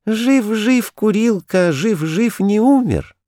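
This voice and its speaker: A man voicing a boastful male wooden toy with a squeaky, jumpy voice in a storybook reading. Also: expressive, takes it slowly, mellow, no echo, clean studio sound. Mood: shrill singing. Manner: bragging, shrill and jumpy.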